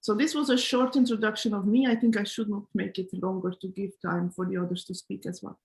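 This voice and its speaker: A woman's voice: medium pitch, flat delivery, a little fast, creaky, darkish tone, low-quality recording. A woman from Belgium, a physics professor, introducing herself politely on an online panel. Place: video call.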